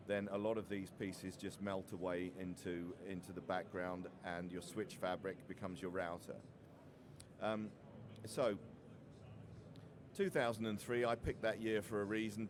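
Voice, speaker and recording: Halting low-voiced man presenting amid clear noise. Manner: hesitant, halting delivery with frequent stumbles and repeated words. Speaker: industry conference presenter. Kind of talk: technical slide presentation. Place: open presentation area at a trade show. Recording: noisy busy trade show floor.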